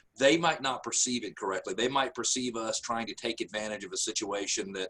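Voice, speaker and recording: A bright, sharp tone in a Southern US accent, with ordinary pitch variation. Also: man. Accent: Southern drawl. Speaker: real estate coach. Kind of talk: webinar discussion.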